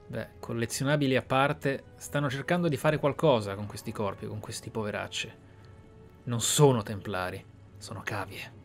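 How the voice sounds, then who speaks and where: A man narrating a video game playthrough in a measured, deliberate, theatrical way. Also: medium pitch, steady tone, soft background music. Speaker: gaming channel host. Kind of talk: Let's Play roleplay narration and commentary. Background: video game ambience.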